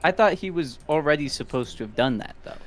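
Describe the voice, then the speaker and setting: A man's voice: a little high, animated, a little fast. A man co-hosting a podcast in casual chat, asking questions and hesitating as he thinks. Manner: inquisitive, hesitant, asks questions. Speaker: podcast co-host.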